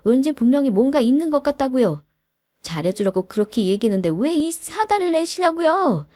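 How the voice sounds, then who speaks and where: A woman's voice: sits high, darkish tone, dry recording, clean studio sound, voice pushed up. A woman voicing a greedy young fiancé who pushes and complains in a story reading. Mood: whining. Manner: pushy, complaining. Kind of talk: storybook voice acting.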